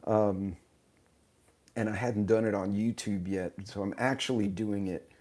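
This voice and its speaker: A man, hoarse from his sinuses, hosting a casual live stream, rambling and joking at himself while greeting viewers by name. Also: fairly low pitch, steady tone, measured pace, a little mellow. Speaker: channel host. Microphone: tablet mic in vertical live stream.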